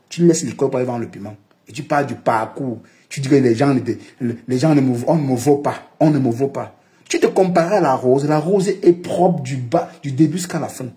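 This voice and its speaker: A man's voice: medium pitch, mellow. A man, scolding and mocking someone at length in a heated live commentary. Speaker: social media commentator.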